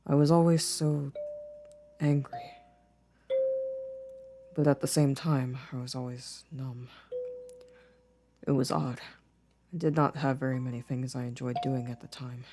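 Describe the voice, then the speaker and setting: Gentle, reserved boyfriend, acted by a man, soft-spoken. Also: mid-range voice, gravelly. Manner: formal careful wording, soft-spoken, few contractions. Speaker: audio roleplay voice actor. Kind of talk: intimate ASMR boyfriend roleplay.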